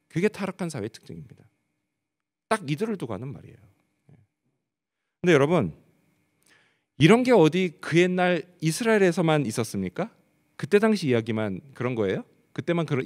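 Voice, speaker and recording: A pastor with a fairly high, darkish voice asks his congregation rhetorical questions and answers them himself. He's preaching in a church sanctuary, and the recording carries a long church-hall reverb.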